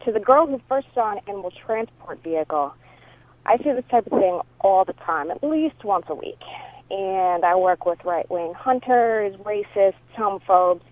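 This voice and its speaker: A woman's voice: mid-range voice, lively intonation, moderate pace, no echo. A woman caller leaving a casual voicemail message over a muffled phone line. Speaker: listener calling in. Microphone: telephone.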